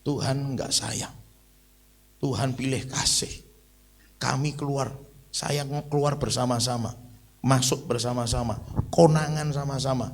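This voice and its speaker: Gravelly-voiced male preacher. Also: mid-range voice, fairly even intonation, measured pace, long pauses. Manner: conversational storytelling, rising to emphatic declaiming. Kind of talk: sermon.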